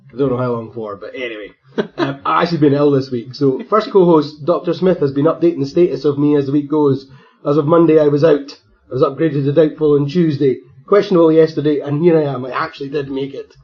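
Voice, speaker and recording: Speaking very fast with a Scottish accent, a man uses a fairly high pitch and ordinary pitch variation. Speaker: podcast host. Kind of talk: casual chat.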